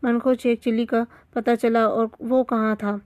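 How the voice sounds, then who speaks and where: A loyal male lion who asks curious questions, voiced by a woman reading a storybook. The voice is a bit high and even. It sounds dry and close. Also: no room sound, lightly acted.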